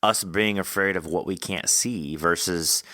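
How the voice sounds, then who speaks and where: A man hosting a podcast interview in a casual, rambling way, thinking out loud as he talks. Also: deep voice, a little slow, no room sound.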